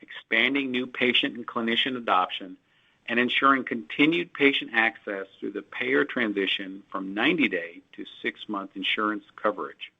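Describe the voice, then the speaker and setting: Exec guy reading his earnings script, husky and a bit gravelly, muffled call audio. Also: medium pitch, moderate pace. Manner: steady formal reading with occasional slips. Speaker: company executive. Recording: dull lo-fi conference call audio.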